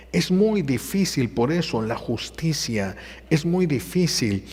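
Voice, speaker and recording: Priest preaching in a reverberant church. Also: male voice, on the high side, darkish tone, breathy edge. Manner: conversational, hesitant fillers, acts out quotes. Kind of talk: sermon.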